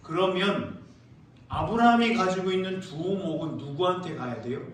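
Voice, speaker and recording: A man preaching a sermon as pastor, telling lively stories and asking the congregation questions. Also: high voice, normal speed, a little hiss or hum. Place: church sanctuary. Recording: echoey church hall, mic far off.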